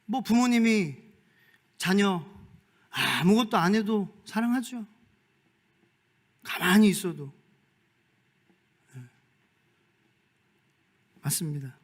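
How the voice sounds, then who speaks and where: Korean pastor guy preaching, pretty high voice, drops to whispers then shouts out loud. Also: lively intonation, slow pace, long pauses. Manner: swings from soft whispers to loud shouted calls. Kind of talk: sermon.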